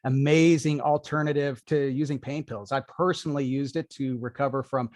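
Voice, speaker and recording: A man being interviewed as a business owner, upbeat and promotional, explaining his services briskly. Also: medium pitch, steady tone, a little mellow, dry recording, studio quality. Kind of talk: interview answers.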